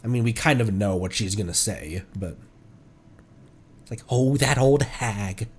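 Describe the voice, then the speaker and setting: Slow-paced, lively male streamer. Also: on the low side, breathy edge. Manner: giggly, musing aloud, unhurried. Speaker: streamer reacting to a game. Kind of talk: casual livestream commentary.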